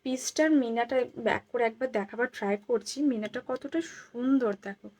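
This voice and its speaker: A woman with a hoarse, worn voice talks softly on a live stream, showing jewellery and repeating each price again and again. Her voice sits a little high, and the chat is loose and friendly toward the viewers. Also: fairly quick, rough recording.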